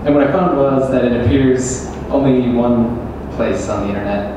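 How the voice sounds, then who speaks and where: A young adult man, a student debater, posing measured leading questions with hesitant fillers. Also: medium pitch. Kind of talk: formal debate, cross-examination. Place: large echoey university hall. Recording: echoey hall, distant mic, background noise.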